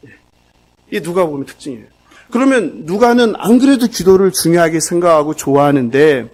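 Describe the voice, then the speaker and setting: Male pastor, high and lively voice, sermon full of questions to the congregation. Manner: animated preaching, keeps asking the congregation questions. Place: church sanctuary.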